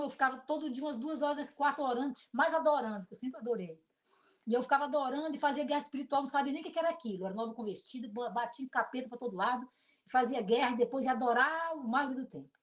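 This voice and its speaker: A middle-aged woman pastor with a Brazilian accent and a deep voice, preaching an emotional sermon built on personal testimony. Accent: Brazilian Portuguese. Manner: emotional, animated storytelling with shifts between loud and soft.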